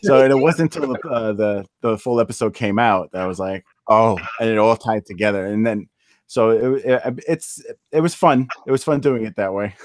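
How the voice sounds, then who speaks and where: A man chatting casually as a composer on a panel, speaking haltingly with many small pauses. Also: lowish voice, dry recording, clean studio sound.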